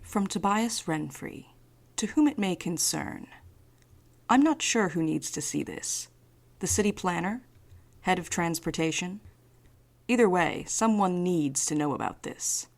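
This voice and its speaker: A woman acting as a wry night courier in an audio drama. Her voice sits low with a gravelly fry, and she delivers everything drily, with a defiant streak. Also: expressive, unhurried. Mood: measured, uneasy.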